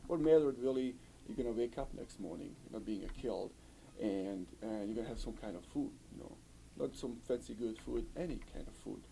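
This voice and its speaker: A man from tells his story in an interview, speaking English. His voice sits somewhat low, and he talks fluently, filling his phrases with "you know." A faint hiss of room noise runs underneath. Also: a little fast, creaky, warm tone, poor audio. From former Yugoslavia. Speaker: refugee interviewee. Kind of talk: recorded interview testimony.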